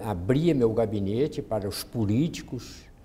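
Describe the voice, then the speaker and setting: Speaking fairly slowly, a man uses a dark, mellow tone at a medium pitch with ordinary pitch variation. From Goiás, Brazil. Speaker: retired judge. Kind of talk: oral history interview answer.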